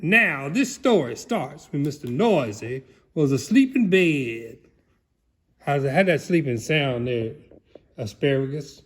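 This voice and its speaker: A man voicing a folksy, excitable country alligator, giving a theatrical comic storybook reading. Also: medium pitch, slow. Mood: hammy, excited. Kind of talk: dramatic storybook reading, played for comedy.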